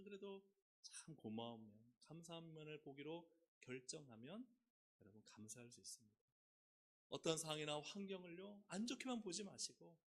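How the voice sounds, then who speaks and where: A male pastor preaching a sermon in a church, asking the congregation questions and leading them in reading aloud. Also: fairly bright tone. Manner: asks the congregation questions and leads responsive reading with sweeping pitch swings. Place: church sanctuary.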